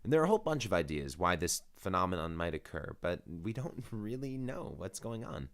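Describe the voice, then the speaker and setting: A man's voice: deep voice, big pitch swings, brisk. A man hosting a podcast, moving between upbeat scripted narration and casual interview questions. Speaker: podcast host.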